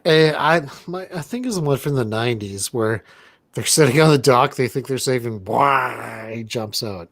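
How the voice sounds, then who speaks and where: A man co-hosting a casual movie-review chat, rambling and deadpan, with casual swearing. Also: mid-range voice, moderate pace, creaky, no room sound. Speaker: podcast co-host.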